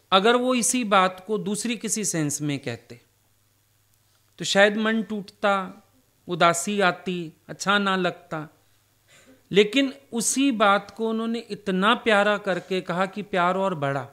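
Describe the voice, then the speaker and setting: A man's voice: sits high, animated, takes it slowly, fairly bright tone. A man giving a devotional satsang talk, telling personal stories in a conversational way. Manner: conversational storytelling, acting out quoted dialogue. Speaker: satsang speaker.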